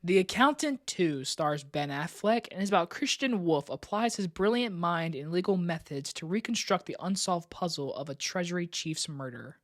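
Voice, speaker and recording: A woman's voice: lowish voice, expressive, moderate pace, hardly any pauses. A woman giving a casual movie review in a stuffy, congested voice from allergies, rambling and chatty. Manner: rambling and chatty, with many "like" fillers.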